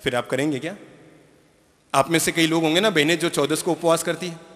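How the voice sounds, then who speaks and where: Bright-voiced, emphatic male preacher. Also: a little high, fairly quick, long reverb tail. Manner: emphatic, repeats key phrases, asks the audience questions. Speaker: spiritual teacher. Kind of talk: sermon to a live audience.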